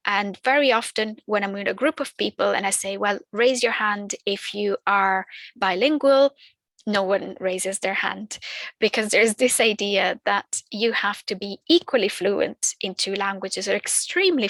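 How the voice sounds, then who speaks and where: An early years language trainer, a woman whose first language isn't English, explains terms in a training talk, using fillers and restarts. Her medium-pitched voice is a bit bright, recorded dry.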